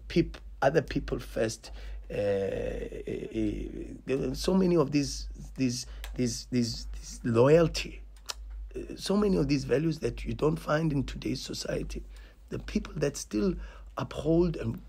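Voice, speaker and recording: Seated at a stand-mounted table mic in a small press room, a South African coach in his thirties gives a fervent post-match press conference, restarting and repeating words to drive points home. His pitch is medium, with vocal fry and a slightly rough, darkish tone.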